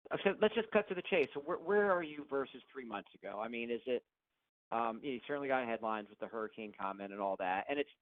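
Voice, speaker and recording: A man with a mid-pitched voice works as an analyst on a conference call, pressing bluntly with conversational questions. The sound is dry, dull and lo-fi. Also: animated, fast, no echo.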